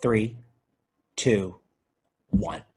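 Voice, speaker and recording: An actor playing an earnest, dry movie-buff video store clerk in an animated comedy table read. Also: male voice, lowish voice, very slow.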